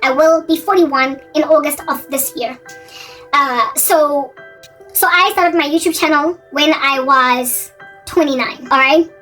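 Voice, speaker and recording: A woman's voice: sits high, a little slow, bright, forceful tone. A South African woman in her forties, talking through a casual, rambling monologue, often correcting and repeating herself. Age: 40s. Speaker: faith vlogger. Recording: distant mic with background music.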